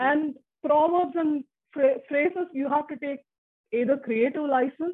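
A woman with a Tamil accent speaks in a high voice at a moderate pace with ordinary pitch variation. Her loudness swings widely, and her pauses are long and frequent. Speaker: author and translator. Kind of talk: interview.

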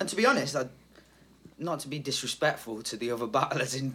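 A man talks at a fairly quick pace with ordinary pitch variation and a plain, everyday voice. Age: 30s. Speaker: rapper. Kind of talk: casual chat. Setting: studio.

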